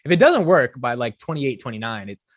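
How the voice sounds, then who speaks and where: A man in his twenties, a startup founder, chatting casually in an excitable way. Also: medium pitch, dry recording. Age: 20s. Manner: fast, excitable, says bro. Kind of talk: casual chat.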